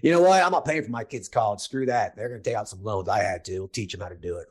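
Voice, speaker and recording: Male host, thirties, lowish voice; casual, blunt coaching with points hammered home. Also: quick pace, husky. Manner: blunt, emphatic, repeats key points. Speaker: podcast host and business coach.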